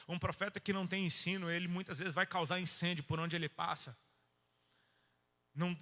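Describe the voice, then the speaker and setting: Brazilian male preacher, slangy storyteller, high and forceful tone, ringing hall sound. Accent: Brazilian Portuguese. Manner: colloquial storytelling with slang, dynamic swings from loud to hushed. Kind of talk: sermon. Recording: reverberant hall.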